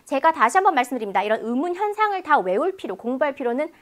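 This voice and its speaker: Bright-voiced, lively woman teacher. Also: sits high, very fast. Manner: animated, demonstrative, exaggerates sounds for students. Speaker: English listening teacher. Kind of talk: online exam-prep lecture.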